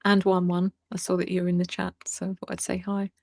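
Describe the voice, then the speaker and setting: A woman's voice: fairly low pitch, monotone, quick pace, gravelly, a little mellow, dry recording, clean studio sound. A woman hosting a live stream, chatting casually and reassuringly with her co-host and greeting viewers. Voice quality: soothing.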